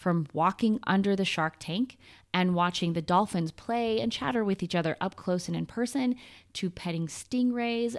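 A woman with an American accent and medium pitch speaks at a moderate pace with ordinary pitch variation, in an ordinary speaking voice. The recording is very clean, with a silent background. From US. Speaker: podcast host. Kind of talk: solo podcast monologue.

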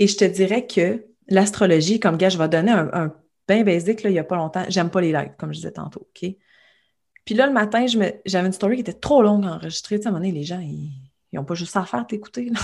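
Over a quiet background, a woman talks at a very fast pace with vocal fry, medium pitch, ordinary pitch variation and big swings in loudness. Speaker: entrepreneur and group coach. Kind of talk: casual interview conversation.

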